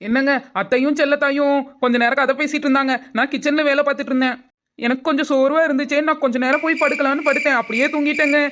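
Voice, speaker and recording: High fast-talking cartoon bride voiced by a woman, cheeky and jumpy. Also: steady tone, fairly bright tone. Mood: pleading. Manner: quick, flustered, cheeky. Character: sleepy, sharp-tongued young daughter-in-law. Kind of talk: cartoon voice acting.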